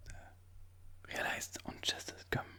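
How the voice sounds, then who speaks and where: An ASMR host giving chess commentary in a breathy, unvoiced whisper, explaining moves slowly and deliberately. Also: bright, forceful tone.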